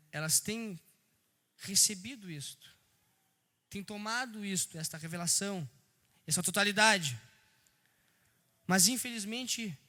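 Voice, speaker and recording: Male preacher, sharp bright voice, shouting then dropping low, hallelujahs, church hall reverb. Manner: fervent, swings between shouted peaks and low asides, frequent hallelujahs. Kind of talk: sermon. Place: church service.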